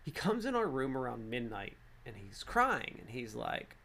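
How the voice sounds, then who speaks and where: Man, thirties, gravelly, casual rambling vlog talk, many fillers. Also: medium pitch, big pitch swings, normal speed. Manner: chatty, many fillers and restarts. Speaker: vlogger.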